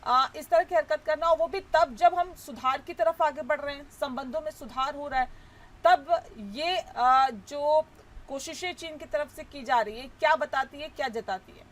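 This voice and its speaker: High-voiced woman anchoring a news debate. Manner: measured, with many "uh" fillers. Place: TV news studio.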